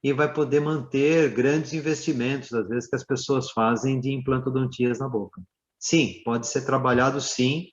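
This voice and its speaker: A man speaking as a dentist guest, explaining slowly with many fillers and tag questions. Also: mid-range voice, fairly even intonation, highs cut off. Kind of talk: live Q&A explanation.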